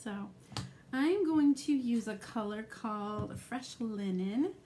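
A woman's voice: on the high side, animated, slow pace, dark tone, slight background noise. A middle-aged woman demonstrating a craft live, explaining each step in a chatty way with frequent ums.

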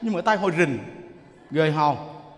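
A man giving a lively dharma talk, telling stories and exclaiming as he preaches. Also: fairly high pitch. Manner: animated, exclaiming, quick shifts between loud and soft. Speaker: monk preacher. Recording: long hall reverb.

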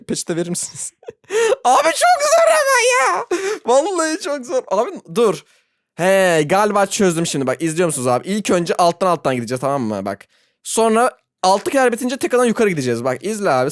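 Excitable gamer with a wildly swinging voice. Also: mid-range voice, no echo, studio quality. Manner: excitable, swings from muttering to squealing; talks to viewers directly, laughs often. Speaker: gaming YouTuber. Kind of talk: Roblox gameplay commentary.

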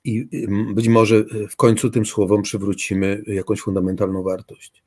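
Older professor guy on a video call, low mellow voice, lots of uhs, dry sound. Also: flat delivery, slightly rough. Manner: slow, hesitant, with frequent filler sounds. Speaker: guest professor, philosopher. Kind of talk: interview answers. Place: home study with bookshelves.

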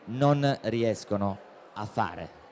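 A man's voice: lowish voice, animated, very slow, darkish tone, slight background noise. A man interviewing a guest at a book fair stand, asking long, chatty questions into a handheld mic.

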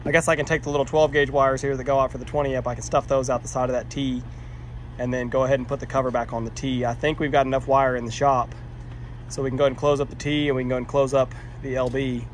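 Working on electrical jobs in a rainy, muddy yard beside a metal shop, a vlogger walks viewers through each step, chatty and poking fun at his own slip-ups. He talks quickly at a medium pitch with little variation. The handheld phone recording picks up slight background noise.

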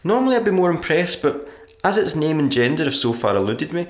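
A man playing a sullen, sardonic writer narrating his diary in a black comedy radio play, dry and deadpan. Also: a little high, a little fast. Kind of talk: dramatic monologue, diary narration in a black comedy audio drama. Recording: roomy echo with background noise.

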